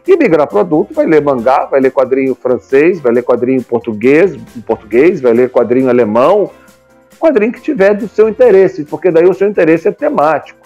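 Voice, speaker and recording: A Brazilian man in his fifties speaks in a somewhat high register. He talks casually, in a colloquial way, checking in with the listener as he goes. The recording is slightly dull, with music playing behind him. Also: big pitch swings, fairly quick, warm tone. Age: 50s. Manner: talkative, colloquial, often seeks agreement with tag questions. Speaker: guest, comics publisher. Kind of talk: casual conversational interview talk.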